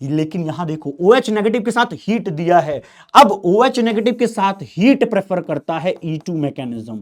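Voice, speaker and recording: A man teaches chemistry in an exam-prep lecture with a high-pitched, unhurried voice and an animated manner. He prods students with questions and acts out the molecules, speaking for them in quoted first-person voices.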